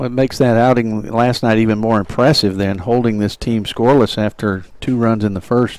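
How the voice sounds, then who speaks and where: A man at a fairly quick pace with hardly any pauses, fairly even intonation and a dry sound with no echo. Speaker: color analyst. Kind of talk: live sports commentary. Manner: conversational, explanatory. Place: booth.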